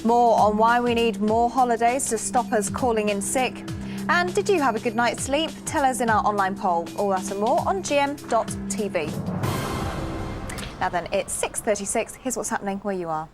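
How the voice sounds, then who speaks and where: A woman presenting a morning news bulletin in crisp, measured scripted reading. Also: on the high side, expressive, loud music behind the voice.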